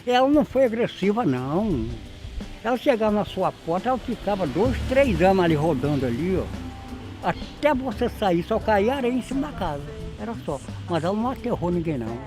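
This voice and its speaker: A man's voice: fairly high pitch, lively intonation, fairly quick, over music. A man in his eighties, a local resident telling old stories about his village in a folksy, emphatic way that repeats itself. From Espírito Santo, Brazil. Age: 80s. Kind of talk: storytelling interview.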